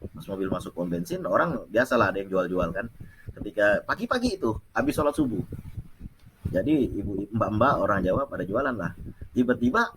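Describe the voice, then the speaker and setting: Male storyteller, chatty and animated, very lively pitch, noisy recording. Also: a little fast. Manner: animated, chatty, laughs while telling. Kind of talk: casual personal storytelling.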